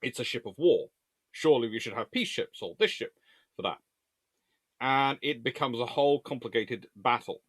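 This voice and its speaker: A man's voice: mid-range voice, lively intonation, moderate pace, a bit bright, husky, no room sound. A man hosting an informal history Q&A, talking in a discursive, emphatic way as he reasons through debates. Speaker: naval history video host. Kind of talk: informal explainer and viewer Q&A.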